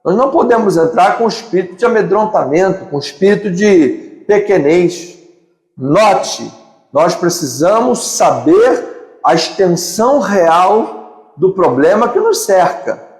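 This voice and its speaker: A man's voice: high-pitched, animated, slow, darkish tone. A man with a Brazilian accent preaching a sermon as pastor, driving his points home with emphatic repeated phrases and lists. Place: church sanctuary. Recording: echoey hall with long reverb.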